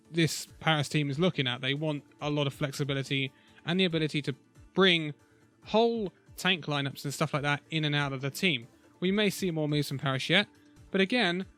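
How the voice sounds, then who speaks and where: A man who is a little ill and losing his voice gives an opinionated, conversational esports roundup with pauses. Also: fairly high pitch, a bit bright. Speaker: esports video host. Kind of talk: casual esports commentary vlog.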